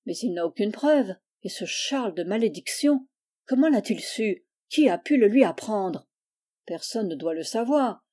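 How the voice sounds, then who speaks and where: A woman's voice: mid-range voice, lively intonation, a little slow. A woman voicing a miserly, scolding old cousin. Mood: fretful scheming. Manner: scolding, sharp, loud. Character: stingy, cruel older woman cousin.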